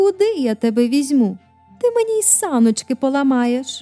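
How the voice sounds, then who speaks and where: A woman's put-on character voice, high in pitch with very wide pitch swings, at a moderate pace over faint music in the background. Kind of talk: bedtime story voice acting. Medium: read story. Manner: lively, bossy.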